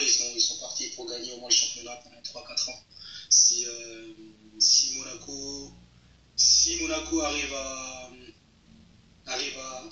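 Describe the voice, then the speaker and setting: A man's voice: mid-range voice, sharp tone. Man, thirties, from France, hesitant interview answers, dull lo-fi recording, echoey room. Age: 30s. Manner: hesitant, repeats words as he searches. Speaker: footballer being interviewed. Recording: roomy, distant, dull lo-fi sound.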